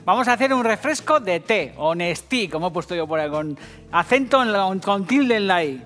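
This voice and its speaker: A high-voiced, middle-aged man with a Basque Spanish accent, demonstrating a recipe on a TV kitchen set. He talks straight to the viewers, full of jokes and swearing. Faint music plays behind him. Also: lively intonation, fairly quick, a bit bright. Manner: profane, jokey, addresses viewers directly. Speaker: TV cooking show host. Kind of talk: casual cooking demonstration.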